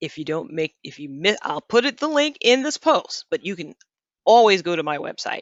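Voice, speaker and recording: Lively intonation and a moderate pace from a woman, in a normal speaking voice. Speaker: travel agent. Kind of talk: live stream sales pitch. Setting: live stream.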